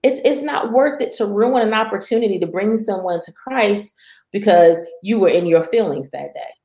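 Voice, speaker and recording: A woman's voice: mid-range voice, normal speed, roomy sound. A middle-aged woman who speaks at Christian women's ministry events, telling a personal faith story in earnest, conversational talk. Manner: earnest testimony with animated retelling.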